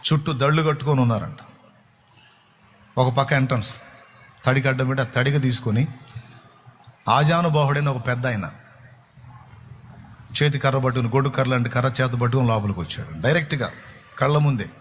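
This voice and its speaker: A man's voice: mid-range voice, a little fast, long pauses, slight background noise. Male preacher, storytelling sermon, dramatic and repetitive, mid-range voice. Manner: dramatic, repetitive, rising to proclamation. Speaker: pastor.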